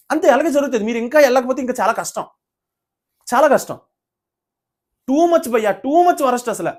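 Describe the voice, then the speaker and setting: A male video reviewer who rants with indignation and calls his viewers "brother". He talks very fast in a high voice and piles up rhetorical questions. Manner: indignant, rapid ranting, addresses viewers as brother. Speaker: YouTube reviewer of a reality show. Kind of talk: opinionated video review monologue.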